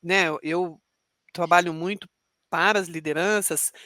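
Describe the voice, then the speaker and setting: A woman's voice: lowish voice, fairly even intonation, unhurried, sharp tone, dry recording. A middle-aged woman with a Brazilian Portuguese accent, a podcast guest who talks reflectively and explains with examples. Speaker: podcast guest, leadership speaker. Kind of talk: interview conversation.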